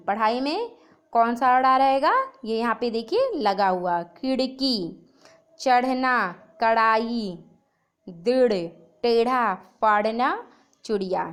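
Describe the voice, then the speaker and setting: A woman teacher explaining spelling mistakes over slides, repeating each word slowly and stressing its letter sounds. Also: on the high side, fairly bright tone, clean tone. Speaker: Hindi grammar teacher.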